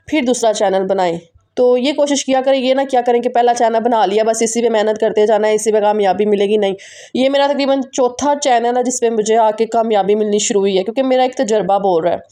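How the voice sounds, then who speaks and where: A woman vlogger with a Pakistani Urdu accent, chatting quickly and directly to her viewers in a casual voice-over. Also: a little high, dark tone. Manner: fast, run-on, talking straight to viewers.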